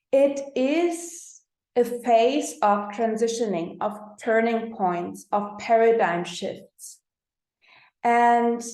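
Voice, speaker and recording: A woman with a German accent, a non-native English speaker giving a spiritual astrology talk, pausing often and searching for her words. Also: on the high side, darkish tone, roomy sound. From Austria. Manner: slow, halting, searching for words with many fillers.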